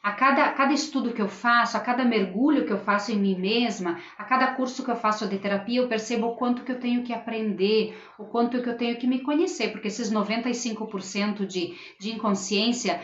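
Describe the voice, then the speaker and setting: A woman's voice: fairly high pitch, brisk, hardly any pauses, a bit bright. A middle-aged woman, a school teacher, hosting a casual live stream and earnestly talking to her viewers. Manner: earnest, addresses viewers and reads their comments aloud. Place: at home. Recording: roomy, dull lo-fi home live stream.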